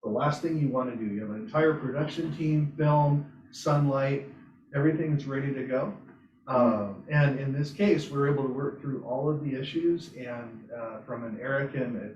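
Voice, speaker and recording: A man's voice: medium pitch, moderate pace, darkish tone. A man giving an informal presentation at a club meetup, telling anecdotes and acting out his own reactions. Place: meeting room at a hybrid club meetup. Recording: echoey room, distant mic, muffled sound.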